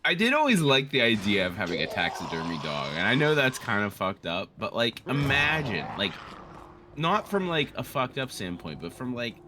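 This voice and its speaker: A man's voice: medium pitch, big pitch swings, moderate pace, background noise. A man co-hosting casual gameplay chat, telling rambling, sweary stories. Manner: rambling, profane storytelling. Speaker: gaming co-host.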